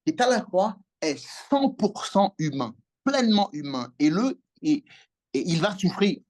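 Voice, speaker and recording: A fiery preacher whose pitch swoops up and down in lively, emphatic bursts. The sermon runs over a video call with call-and-response prompts for amens. The delivery is urgent and animated throughout. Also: a little slow.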